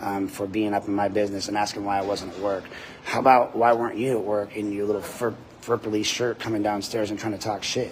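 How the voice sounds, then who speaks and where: A man at a very fast pace and fairly low pitch, monotone and flat, with audible room echo and noticeable background noise. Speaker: independent journalist livestreaming at city hall. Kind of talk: angry livestream rant. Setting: outdoors at city hall, live on scene. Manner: loud.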